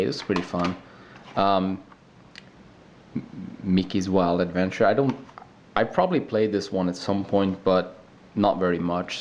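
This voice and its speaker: A man's voice: low-pitched, a little mellow, a little hiss or hum. A young man from Sweden with a Swedish accent, talking in a casual unscripted home video and stopping often with ums and restarts. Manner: hesitant, many ums and restarts. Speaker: video creator. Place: home room.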